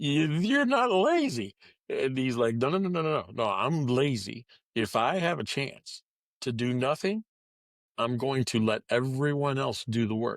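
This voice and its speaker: An ordinary speaking voice with an American accent and lively intonation, at a fairly slow pace. The sound is dry and close with no echo, over a quiet background. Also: man, medium pitch for a man. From United States. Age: 60s. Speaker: podcast co-host. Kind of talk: casual chat.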